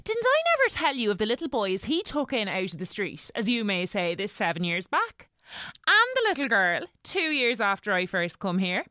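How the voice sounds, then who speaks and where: A woman's voice: mid-range voice, wildly swooping pitch, normal speed, sharp tone, dry recording, studio quality. A woman playing a kindly, gossipy middle-aged housekeeper with a rural English accent in an audio drama. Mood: fond, reassuring. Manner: chatty, homely, rustic.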